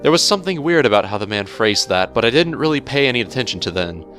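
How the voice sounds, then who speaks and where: A man narrating a horror story in a measured, theatrical storytelling manner over music. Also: mid-range voice, big pitch swings, a bit bright. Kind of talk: dramatic horror story reading. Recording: music bed under the voice.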